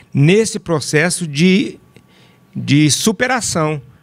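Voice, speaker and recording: Intonation rises and falls in a lively way as a man talks. The sound is close and dry, without any echo. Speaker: spiritist musician and composer. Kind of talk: interview conversation. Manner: halting with repetitions.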